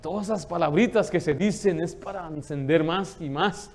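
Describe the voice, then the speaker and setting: A man, preaching a lively sermon in a church and telling stories with humor. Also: a little high, moderate pace. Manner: lively storytelling, joking with the congregation. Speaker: pastor.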